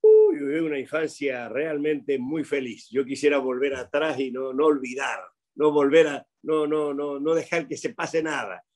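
Older Argentine male pastor, guest on a home video call, cheerful and rambling, slightly high voice. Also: lively intonation, moderate pace, few pauses, darkish tone. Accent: Argentine Spanish. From Corrientes, Argentina. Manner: cheerful, chuckling, hesitant restarts. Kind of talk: video-call interview, storytelling. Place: home room with plants.

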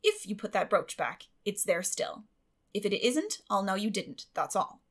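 A woman voicing a stern, suspicious middle-aged farm woman with a sharp, grim way of talking in an audiobook. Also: medium pitch, sing-song, measured pace. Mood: firm, accusing. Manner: sharp, grim, clipped scolding.

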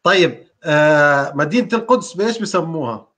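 A man's voice: a little high, expressive, a little fast, a bit bright. A man co-hosting a live quiz show, teasing and laughing in casual chat. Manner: jovial, laughs often, teasing.

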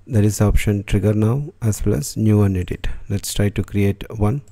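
Low, mellow-voiced male tech tutor. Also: normal speed, vocal fry. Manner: unscripted, frequent fillers and restarts. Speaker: tutorial host. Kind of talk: screen-recorded software tutorial.

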